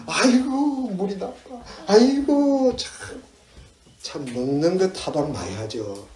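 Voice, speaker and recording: A man voicing a whining, nagging middle-aged woman who sighs and complains loudly. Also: very animated, slow, distant mic. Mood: griping. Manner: shrill, exasperated sighing complaints. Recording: echoey hall with faint noise.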